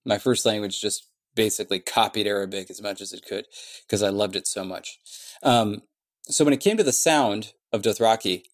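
A man's voice: lowish voice, moderate pace. A man in an interview explaining how he built a language, thinking aloud with many fillers and restarts. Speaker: conlang creator answering questions.

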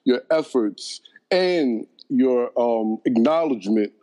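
Man, mid-pitched voice, podcast host, formal, deliberate, restarts. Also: animated, warm tone. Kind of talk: interview questions.

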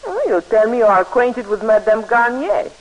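A woman's voice: a little high, very animated, brisk, poor audio. An actress playing a shrewd, coaxing middle-aged French landlady with a French accent, in 1940s radio acting style from an old radio broadcast. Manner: sly, coaxing, theatrical.

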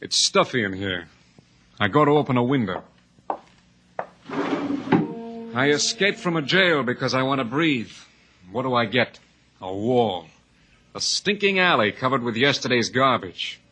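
A man's voice: mid-range voice, very animated, normal speed, sharp tone, a little hiss or hum. A man playing a hardened, menacing escaped bank robber in 1950s radio drama style, speaking in clipped tough-guy phrases. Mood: brooding, bitter.

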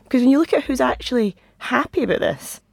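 Croaky, husky-voiced woman talking football. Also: high voice, expressive, quick pace, no echo, studio quality. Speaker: podcast guest, football pundit. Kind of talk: lively opinionated football discussion. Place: podcast studio.

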